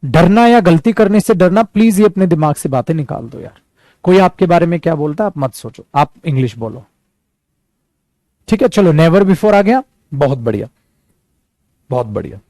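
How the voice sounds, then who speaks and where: A man with an Indian accent teaching a spoken English lesson, explaining in Hindi and repeating English example sentences slowly while he encourages his students. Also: on the high side, lively intonation, warm tone, no room sound. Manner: encouraging, calls students "beta".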